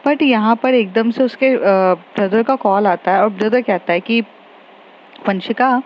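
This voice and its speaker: Woman storyteller, casual chatty retelling, filler-heavy, slightly high voice, dull recording. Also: normal speed. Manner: chatty, many fillers, mixes English into Hindi. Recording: slightly dull, faint background noise.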